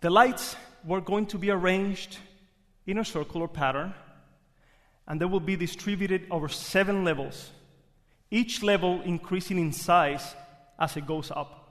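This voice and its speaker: A young man with a Cuban Spanish accent telling a personal story live on a theater stage, earnest and reflective, with bursts of excitement. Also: high voice, a little slow. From Cuba. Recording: live theater with hall reverb.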